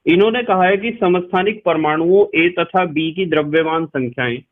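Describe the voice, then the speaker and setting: A male chemistry teacher with a fairly high voice and normal speed gives a patient lecture, repeating key points and quizzing his students. The sound is tinny and lo-fi.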